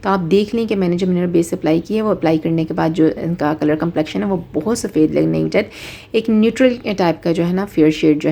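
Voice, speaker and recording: A woman's voice: fairly low pitch, gravelly, dark tone. A woman with a Pakistani Urdu accent giving a step-by-step makeup tutorial, explaining and rephrasing with many fillers. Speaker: makeup artist.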